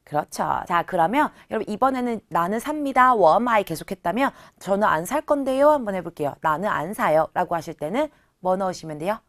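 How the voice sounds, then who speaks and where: A woman in her thirties teaching a beginner Chinese lesson, who stretches out model words slowly and says them louder for practice. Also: mid-range voice, expressive. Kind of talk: online language lesson.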